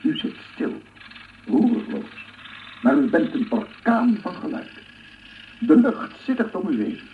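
An actor playing a paranoid, embittered amateur sound researcher in a theatrical radio drama monologue, muttering and proclaiming. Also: male voice, high voice, sing-song, slow, full character voice. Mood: fanatical proclaiming. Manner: theatrical, muttering to himself, repeating words, swelling into proclamations. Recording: muffled narrow-band old radio recording, noisy.

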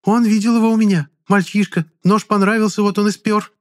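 A male narrator voicing a shrill, hysterical young woman who keeps shrieking accusations. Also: fairly even intonation, a little fast, a little mellow, lightly acted. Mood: insistent. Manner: shrieking, whiny, insistent. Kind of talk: audiobook character voice.

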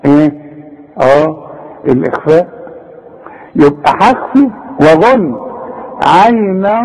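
Egyptian male recitation tutor, slightly raspy, patient, drills sounds in a reverberant space. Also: a little high, darkish tone. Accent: Egyptian Arabic. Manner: patient, corrective, repeats and demonstrates each sound slowly. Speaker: Quran recitation teacher. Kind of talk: one-on-one recitation correction. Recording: long reverb, echoey room.

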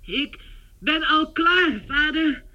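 A man playing a travelling salesman turned giant insect in a radio play, speaking haltingly with strained politeness in a thin, unnatural squeal. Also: very high-pitched, expressive, bright, forceful tone, muffled recording, heavily acted. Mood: strained reassurance.

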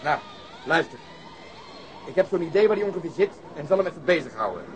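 A man acting a brash, reckless, foul-mouthed police detective in a radio drama, talking in a gruff, blunt way. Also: fairly high pitch, animated, fast talker, slight background noise, close to an everyday voice. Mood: urgent, determined.

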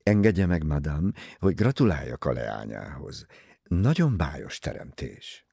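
Man reads a polite, courtly older detective in an audiobook: deep, slightly gravelly, formal. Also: big pitch swings, dark tone, no room sound, studio quality, full character voice. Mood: courteous.

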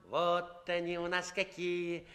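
A man playing a playful, mock-solemn clown of a master of ceremonies, declaiming theatrically with drawn-out announcements and droll asides. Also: sits high, completely flat delivery, fairly bright tone. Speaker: presenter introducing the cast. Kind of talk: theatrical comic stage announcing. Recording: stage hall with long reverb.

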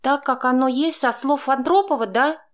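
A woman reader voicing a young woman who bristles and argues heatedly with her partner, in a much higher voice than her own. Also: close to an everyday voice. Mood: indignant. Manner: indignant, quick to flare up.

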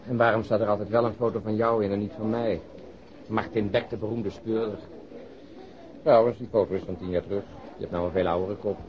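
A man's voice: lowish voice, fairly even intonation, a little fast, lightly acted. A middle-aged police detective played by a male actor, sardonic and full of grumbling banter. He talks like a man in a radio play, on a dull, lo-fi recording. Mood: teasing. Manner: sardonic, bantering, food-loving. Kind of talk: Dutch radio drama dialogue.

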